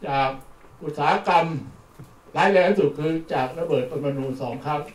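A man's voice: on the high side, normal speed. An older man giving a plain-spoken workshop lecture, repeating words for emphasis, recorded from a distance at an outdoor training session. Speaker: lecturer on charcoal. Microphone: distant mic. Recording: roomy and distant with faint noise.

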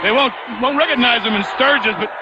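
A man's voice: very high-pitched, quick pace, noisy background. A man giving wrestling color commentary with mocking, folksy asides. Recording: dull lo-fi 1990s broadcast with loud arena crowd.

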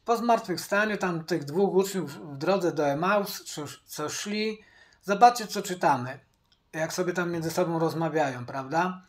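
Slow, deliberate male Bible teacher. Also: on the high side. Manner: deliberate, repeats key points, addresses viewers directly. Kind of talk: Bible study commentary.

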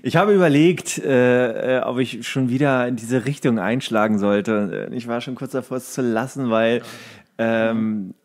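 A man's voice: mid-range voice, normal speed, darkish tone. A man co-hosting a podcast in a casual, conversational style. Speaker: podcast co-host. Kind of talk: casual chat.

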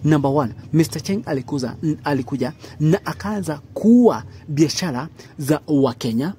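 A man with a Kenyan accent giving informal news commentary in an emphatic, halting way, repeating phrases. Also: a little high, lively intonation, dark tone, a little hiss or hum. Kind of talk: informal news commentary mixing English and Swahili.

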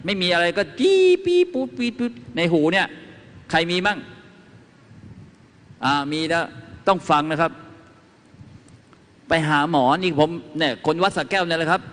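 A man's voice: fairly high pitch, steady tone, normal speed, pauses often, bright, forceful tone. Chatty man talking in a reverberant hall. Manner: chatty, asks the audience questions, tells anecdotes. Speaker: lecturer on herbal remedies. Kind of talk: folksy talk to a live audience.

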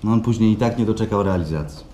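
A man's voice: on the low side, warm tone, lightly acted. Man acting an anxious, hesitant office worker. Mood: apologetic, resigned. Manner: halting, apologetic, repeats himself. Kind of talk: live radio play acting. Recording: live stage recording with background noise.

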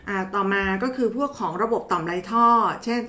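A woman's voice: fairly high pitch, brisk, a bit bright. A woman doctor giving a casual, chatty health explainer, talking to viewers in a familiar, teasing way. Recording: roomy echo.

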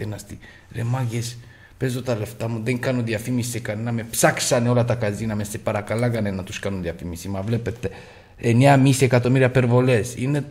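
With a mid-range voice, this Greek man narrates his slot machine play in a casual, bragging way, full of profanity and shouts aimed at the reels.

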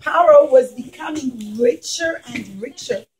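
A woman's voice: high-pitched, lively intonation, a little slow, darkish tone. A middle-aged woman teacher telling a story to young children in simple, emphatic, repetitive phrases. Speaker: preschool teacher. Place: indoors in a classroom.

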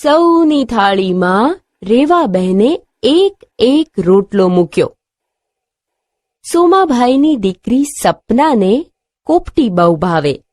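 A woman's voice: a little high, sing-song, slow pace, darkish tone, no echo, clean studio sound. A woman teacher telling a story and leading a lesson for young children.

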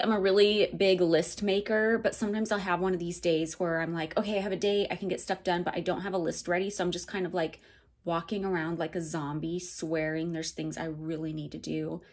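A woman in her thirties with a raspy voice, chatting casually to camera in a week-in-the-life vlog, filled with "like" and "um". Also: lowish voice, fairly quick. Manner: chatty, relaxed, frequent "like" and "um". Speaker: vlogger. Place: home rooms and outdoors at a cemetery.

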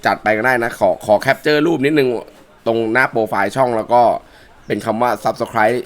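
A man with a worn-out, hoarse voice hosting a casual game skin review, chatting along and pushing his voice lower than usual. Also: moderate pace, a bit bright. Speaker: mobile game channel host.

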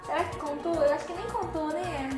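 A woman talks a little fast in a very high-pitched voice, chatting and teasing her viewers playfully as she reads the live stream chat. You can hear faint music behind her and an echoey room.

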